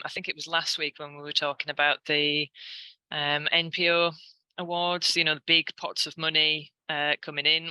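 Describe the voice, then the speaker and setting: A man's voice: a little high, bright, forceful tone, smooth, no echo, low-quality recording. A man taking part in a casual discussion, offering observations tentatively and qualifying them as he goes. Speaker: visual artist, discussion participant. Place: online video call.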